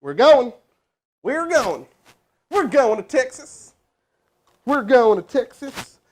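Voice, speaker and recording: A man hosting a live stream as a sales trainer, energetic and casual, with chatty asides to his crew. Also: very high voice, takes it slowly. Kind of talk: hyped live-stream coaching and cold calling. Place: indoor room with crew present.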